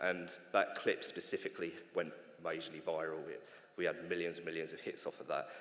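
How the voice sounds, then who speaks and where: A man with a British accent, speaking at a fairly quick pace, with audible room echo. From UK. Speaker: drug policy campaigner. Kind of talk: conference panel discussion. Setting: stage with audience. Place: hall. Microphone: podium.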